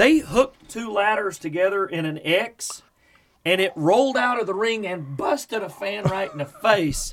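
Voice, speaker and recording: Here a man speaks with an Appalachian accent at a moderate pace. His pitch is high and his intonation lively. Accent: Appalachian American. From West Virginia. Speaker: wrestling podcast co-host. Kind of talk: casual chat. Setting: studio.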